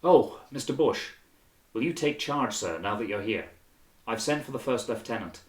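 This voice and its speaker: A man playing a brisk young naval lieutenant in an audiobook, clipped, curt and authoritative. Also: medium pitch, lively intonation, reverberant, close to an everyday voice. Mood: controlled, respectful.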